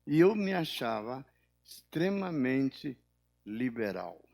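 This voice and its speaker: An older man, a pastor, preaching a sermon, rising suddenly in pitch and volume, then dropping low, and acting out the people in his stories in a higher voice. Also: very animated, slow pace, vocal fry, darkish tone.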